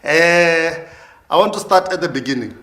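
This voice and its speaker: A man's voice: on the high side, normal speed, sharp tone. Man hosting a casual interview. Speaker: talk show host.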